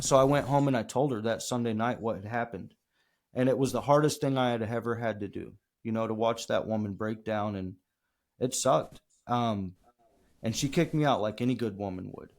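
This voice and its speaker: A man's normal speaking voice at medium pitch, fairly quick in pace with ordinary pitch variation, on a very clean recording with a silent background. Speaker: gospel rapper. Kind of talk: interview answer.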